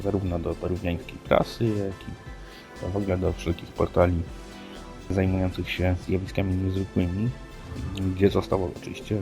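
Male co-host, deep-voiced, conversational and hesitant, over a faint music bed. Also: creaky. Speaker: podcast co-host. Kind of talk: conversational presentation of news reports. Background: background music.

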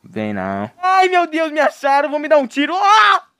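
Very high-pitched and wildly swooping, his pushed, bright voice moves at normal speed. He's a young Brazilian Portuguese-accented man doing live commentary on a horror game, joking with viewers and breaking into frightened yelps.

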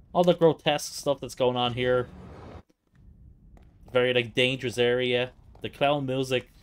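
A man's voice: medium pitch, fairly bright tone. Male game streamer over noisy ambience. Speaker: live streamer. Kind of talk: casual gameplay commentary.

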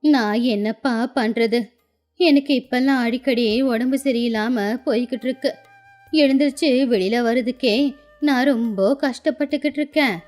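A woman voicing an affectionate, sorrowful elderly village grandmother, speaking slowly and plaintively in a children's moral story. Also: high voice, a little mellow, soft background music, lightly acted. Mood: plaintive, weary. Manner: plaintive, slow, tender.

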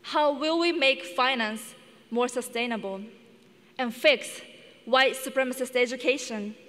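A young woman from Japan giving an earnest, measured commencement speech on a headset mic. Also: high voice, a bit bright, slight background noise. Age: young adult. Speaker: student class speaker. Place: large indoor arena stage. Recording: long arena reverb.

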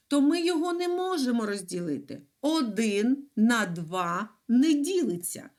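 A middle-aged woman teaches a class of young children. Her voice swoops up and down in a lively, sing-song way, stretching out each key syllable as she explains. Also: fairly high pitch. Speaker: primary school teacher. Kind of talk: recorded lesson for children.

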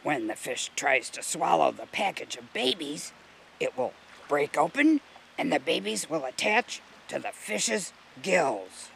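Gravelly, slightly high storybook explainer, calm and patient, read by a man. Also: unhurried, slight background noise, full character voice. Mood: explaining.

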